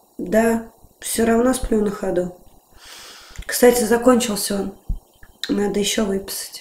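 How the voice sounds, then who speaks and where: A woman at a very slow pace, with fairly even intonation, light background noise and audible room echo. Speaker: vlogger. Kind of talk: casual vlog chat. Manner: listless, sleepy, low-energy speech. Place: home room.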